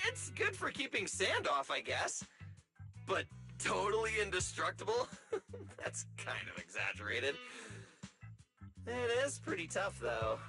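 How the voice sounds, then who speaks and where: Showy robot who idolises heroes; theatrical, shouty, high bright tone. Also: male voice, exaggerated voice. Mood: wry. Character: boastful showy male robot hero-fan. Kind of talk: video game voice acting.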